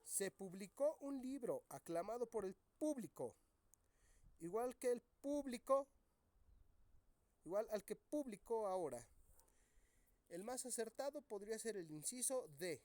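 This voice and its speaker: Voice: medium pitch, animated, a little slow, long pauses, no room sound. A teacher going over exam questions with students, reading each option aloud and reasoning through it. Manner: reads options aloud, thinks out loud. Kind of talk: classroom exam review.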